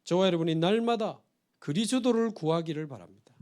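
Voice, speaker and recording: A man's voice: high voice, lively intonation, brisk, a little mellow. A middle-aged man, a pastor preaching a sermon in church, telling stories with acted quotes and building to emphatic appeals. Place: church sanctuary.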